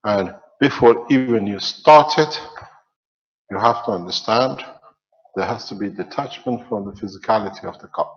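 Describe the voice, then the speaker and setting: A man teaching in a slow, measured way, his phrases trailing off at the ends. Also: lowish voice, big-room sound, highs cut off. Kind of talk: spiritual teaching lecture.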